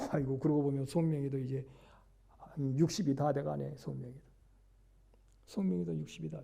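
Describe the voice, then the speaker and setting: Somewhat breathy and medium in pitch, a man speaks at a fairly quick pace with long, frequent pauses and big swings in loudness, audible room echo around him. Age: 60s. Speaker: pastor. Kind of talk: sermon. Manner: animated.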